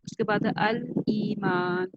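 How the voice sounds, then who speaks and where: A woman with a Pakistani accent teaching a class online, sounding out words slowly and carefully and repeating them. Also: medium pitch, fairly even intonation, very noisy. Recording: dull lo-fi home recording.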